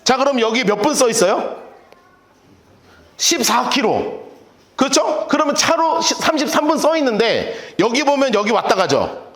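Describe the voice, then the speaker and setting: A man preaching a casual, playful sermon as pastor, acting out the people in his stories with quick little voices. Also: very high voice, very animated, fairly bright tone, reverberant. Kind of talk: lively sermon. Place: church sanctuary.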